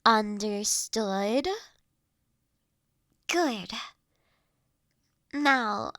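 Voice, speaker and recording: A woman acts out a gentle young lady of the manor in an intimate roleplay audio drama. Her voice is high and she takes her time over formal, measured phrases, earnest and caring. The sound is close and very dry. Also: no echo, heavily acted.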